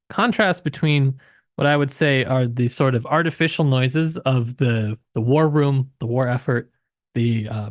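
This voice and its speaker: A man's voice: mid-range voice, no room sound, clean studio sound. A man co-hosting a podcast, discussing a book casually and reflectively, often searching for his words. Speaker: podcast co-host.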